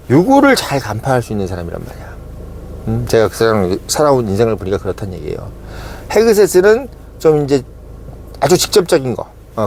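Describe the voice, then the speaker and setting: A middle-aged man giving casual political commentary. He talks in short bursts, checks in with his listeners every few lines, and slows down to stress key words. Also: mid-range voice, a little mellow, a little hiss or hum. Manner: talks in short bursts, keeps asking "응?" and "어?" for agreement.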